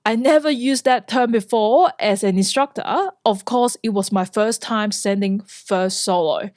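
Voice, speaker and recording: A woman's voice: mid-range voice, unhurried, a little mellow, no echo, clean studio sound. A woman from Hong Kong, a flight instructor, narrating a scripted vlog in an earnest, enthusiastic way.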